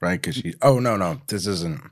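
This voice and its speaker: A man's voice: low-pitched, normal speed, no echo, studio quality. A man co-hosting a script read-through with casual, joking banter. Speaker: co-host reading script parts.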